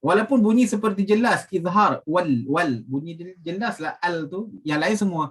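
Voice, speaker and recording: A Malaysian man teaching Quran recitation rules, explaining with many fillers and reciting the words slowly and carefully. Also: high-pitched, far from the mic. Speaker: religious teacher.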